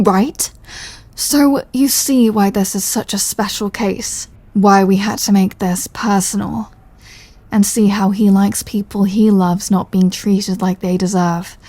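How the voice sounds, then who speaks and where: A woman's voice: mid-range voice, takes it slowly, dark tone, no room sound. A British woman playing an apologetic, sardonic mafia boss with a protective, flirty streak in an ASMR audio roleplay. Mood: wry, explaining. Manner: dry, sardonic, sighing, exasperated. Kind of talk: ASMR audio roleplay, close scripted acting.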